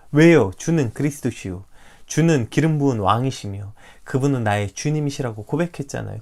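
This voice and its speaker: Lively devotional preacher, animated and questioning, with a widely swinging pitch. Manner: animated, asks rhetorical questions, acts out quoted prayers. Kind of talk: morning devotional sermon, livestreamed.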